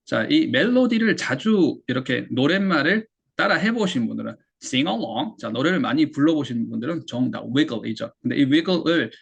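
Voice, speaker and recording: A man's voice: mid-range voice, expressive, moderate pace, creaky, few pauses, husky. A man teaching English pronunciation in Korean, explaining step by step, answering his own questions, and repeating English words aloud to demonstrate. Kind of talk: online English pronunciation lesson.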